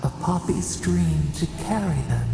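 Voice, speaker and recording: An eerily calm, poetic woman in a fantasy game. She speaks dreamily and very slowly in a heavily creaking voice that echoes. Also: on the low side, music in the background, full character voice. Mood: soothing, eerie. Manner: slow, dreamy, lyrical. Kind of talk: fantasy video game dialogue.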